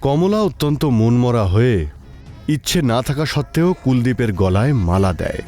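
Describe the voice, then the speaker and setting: A man giving a suspenseful, expressive narration of a scripted horror story. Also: medium pitch, normal speed, soft background music.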